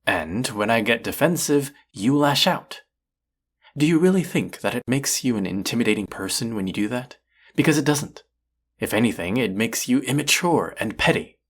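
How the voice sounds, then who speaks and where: A man's voice: medium pitch, expressive, moderate pace, slightly rough. A man playing a proud, combative restaurant chef in an audio roleplay, indignant, condescending and sarcastic as he argues. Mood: heated, exasperated. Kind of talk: audio roleplay acting, one-sided dialogue.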